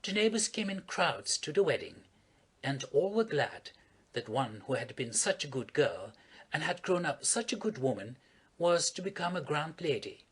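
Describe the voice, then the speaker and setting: A man's voice: on the high side, very animated, moderate pace, husky. A man narrating an old storybook tale as an audiobook, reading expressively.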